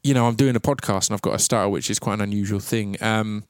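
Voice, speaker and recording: A man's voice: on the low side, steady tone, quick pace, smooth, no echo, studio quality. A man hosting a podcast, talking with a noticeable stutter that makes him repeat sounds at the start of words. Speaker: podcast host. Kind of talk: casual interview and reflective monologue.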